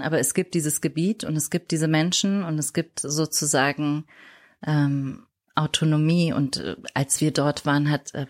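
Woman guest, raised in Germany, deep low voice, reflective, hunts for words as she goes. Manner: reflective, searching for words mid-sentence. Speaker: interview guest. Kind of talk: personal storytelling in a podcast interview.

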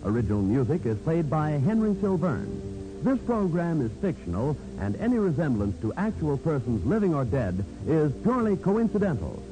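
A man's voice: a little high, big pitch swings, normal speed, poor audio. An American man announcing in formal, polished 1940s scripted radio style. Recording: 1940s radio broadcast recording. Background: music.

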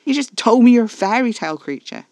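A man's voice: fairly high pitch, fairly quick, darkish tone, no room sound, natural voice. A man voicing a scornful, disbelieving young man in a storybook, blunt and defiant.

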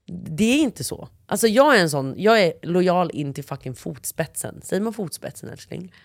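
Blunt, swearing woman with a low voice. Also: sing-song, no room sound, studio quality. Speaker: podcast co-host. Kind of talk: casual chat.

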